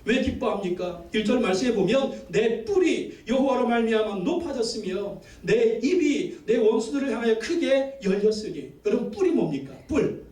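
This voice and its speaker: A male pastor preaches with emphasis, stacking repeated phrases and calling for responses. His voice sits high for a man. It carries through a roomy church sanctuary and is picked up from some way off. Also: animated, normal speed, a little mellow. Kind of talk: sermon. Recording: echoey church from a distance.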